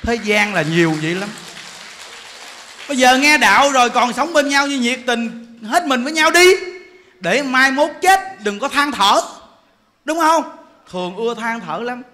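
A man, a Buddhist monk giving a sermon in an animated, joking way. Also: extremely high pitch, a little slow, pauses often. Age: 40s.

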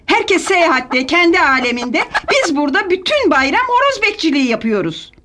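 A fretful, excitable housewife. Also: female voice, very high-pitched, slight background noise, full character voice. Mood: indignant. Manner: fretful, quick to exclaim. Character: fretful middle-aged housewife, talkative and excitable. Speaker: wife of the angry father. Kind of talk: sitcom acting.

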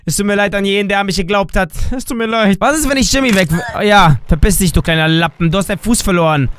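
A young man with a cold and a dry voice, giving energetic, jokey let's-play commentary as a gaming YouTuber. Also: high-pitched, slight background noise. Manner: excitable, jokey, switches between shouts and drawn-out slow words.

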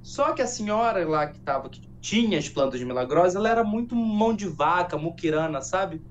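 A man telling a folk tale gently and unhurriedly as a guest in a studio interview. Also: sits high, animated, fairly quick, dull audio, a little hiss or hum. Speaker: guest, educator and storyteller.

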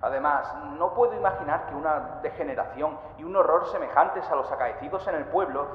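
A man plays an investigator reasoning through horrors in a radio drama. His fairly high voice comes through slightly dull, with a long hall reverb. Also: brisk, natural voice. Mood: grave, agreeing. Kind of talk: audio drama dialogue. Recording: dull, echoey hall sound.

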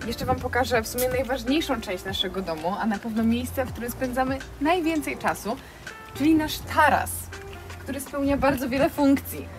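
A woman's voice: high-pitched, normal speed, over music. A young adult woman giving a casual, enthusiastic house tour to camera as a vlogger. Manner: enthusiastic, effusive. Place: small stone house and outdoor terrace.

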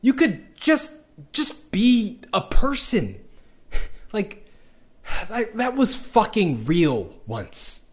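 A man's voice: sits high, very animated, drawn-out words, full character voice. A man playing a bitter, despairing character in an audio drama, ranting with sweary passion. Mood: angry, indignant. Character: bitter, despairing young man raging at a doomed world.

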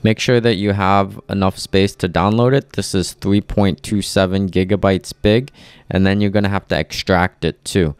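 Male tutorial presenter, deep register, clean resonant tone, methodical step-by-step delivery, dry close recording. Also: steady tone, normal speed, dry recording. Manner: clear, methodical instructing. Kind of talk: step-by-step software tutorial voice-over.

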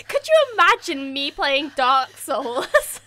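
A woman with a high, bright, clear voice, talking in an unhurried way between sudden excitable yelps and laughs. She comments on a video game as she plays it live on stream. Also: a little hiss or hum.

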